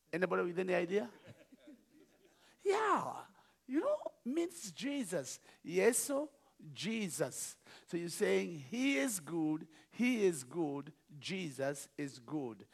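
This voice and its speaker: Slow-talking Kenyan bishop. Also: male voice, high voice, gravelly. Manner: jovial, teaching slowly with laughs. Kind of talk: sermon with song. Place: church.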